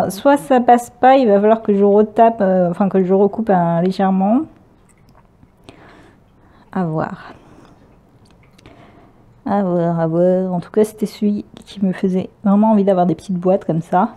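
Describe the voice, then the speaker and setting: French lady rambling through a craft unboxing, lots of euhs and little laughs, soft mellow tone. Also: mid-range voice. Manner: chatty, hesitant, laughs often. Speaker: crafting vlogger. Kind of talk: casual unboxing chat.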